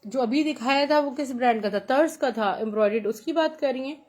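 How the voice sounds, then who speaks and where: High-voiced Pakistani woman doing teleshopping patter. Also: fairly quick, darkish tone. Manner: chatty teleshopping patter, repeating praise and prices. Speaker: live online clothing seller. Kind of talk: live sales pitch, showing items.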